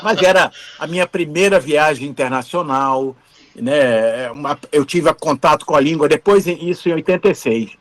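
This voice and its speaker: A man's voice: a little high, moderate pace, fairly bright tone. A man in his fifties from Brazil, a former TV camera operator, telling anecdotes in an interview and acting out the dialogue. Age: 50s. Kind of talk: storytelling interview.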